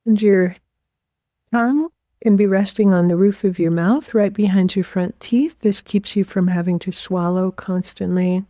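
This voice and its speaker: Woman, meditation teacher, soft mellow tone, gentle unhurried guidance, very dry close sound. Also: medium pitch, steady tone, no echo. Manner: gentle, unhurried instruction with pauses. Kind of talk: guided meditation.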